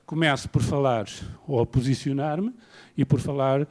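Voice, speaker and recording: A man from Portugal with a European Portuguese accent, giving an academic lecture in a measured, self-deprecating way. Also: medium pitch, darkish tone. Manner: measured, self-deprecating, paces around while speaking. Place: lecture hall.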